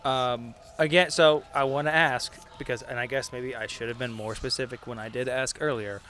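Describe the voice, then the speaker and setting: Man player, bright tone, rambling with "like"s, casual. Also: mid-range voice, steady tone, moderate pace, slight background noise. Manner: rambling, many restarts and "like". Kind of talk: casual chat.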